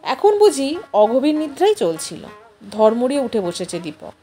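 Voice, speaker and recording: A woman's voice: sits high, very animated, moderate pace, mellow. A woman narrating a literary short story expressively as an audiobook reader. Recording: music behind the voice.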